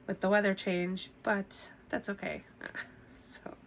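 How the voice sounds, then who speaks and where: A woman's voice: mid-range voice, steady tone, slow, gravelly, slight background noise, low-quality recording. A congested, slightly nasal woman, chatting casually to camera from her home craft room, laughing often and filling with ums. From United States. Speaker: podcast host.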